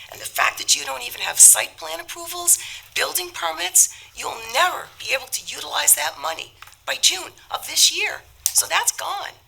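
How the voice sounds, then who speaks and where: Hoarse woman board member with a cold, gravelly, bright and tense, lively pitch, pressing her point hard. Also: rough recording. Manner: forceful, indignant, interrupting. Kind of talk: public meeting debate. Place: town hall meeting room.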